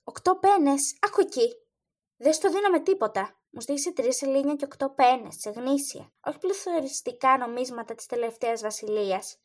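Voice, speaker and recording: A woman's voice: sits high, lively intonation. A woman reading as a frantic peasant woman. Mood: indignant. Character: frightened poor peasant woman, haggling, tearful.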